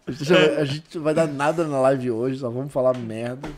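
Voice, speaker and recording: A man's voice: medium pitch, fairly even intonation, fairly quick, a little hiss or hum. A man with a Brazilian accent, co-hosting a casual live stream with blunt, sweary slang.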